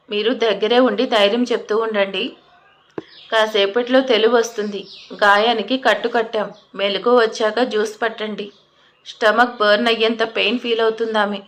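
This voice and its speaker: A woman plays a stern but caring male doctor in an audio story. He explains the care needed in a serious, instructive tone, in a fairly high voice close to the narrator's own. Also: fairly bright tone, slight background noise, lightly acted, rough recording.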